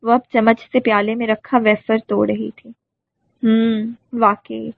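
A woman reads a novel aloud in an even storytelling manner. Her voice is husky and gravelly, sitting a bit high. The recording is dry and thin, like a phone line. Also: no echo. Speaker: audiobook narrator. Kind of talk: dramatic novel reading.

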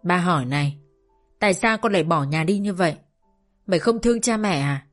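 A gentle, grieving older father speaks in a low, soft, pleading voice, as a woman narrator reads him. His words come slow and heavy with regret. Faint music hums behind him. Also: expressive, lightly acted. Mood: sorrowful.

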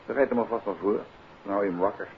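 Man acting courteous inquisitive detective, Netherlands Dutch accent, low-pitched, 1950s radio play, thin hissy recording. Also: racing, dull audio, lightly acted. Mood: calm, casual. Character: composed, inquisitive gentleman detective, married, courteous. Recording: band-limited, noisy 1950s radio recording.

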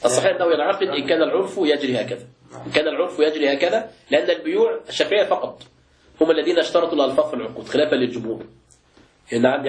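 شيخ سريع الكلام بلهجة مصرية في قاعة درس. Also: male voice, on the high side, echoey room. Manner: explains by asking the class and answering himself. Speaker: sheikh teaching a book class. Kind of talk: classroom lecture with questions.

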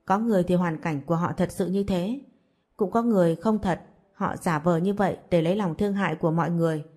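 A woman's voice: on the low side, fast, a little mellow, close to an everyday voice. A woman voicing a stern, blunt young father who talks in a curt, lecturing way.

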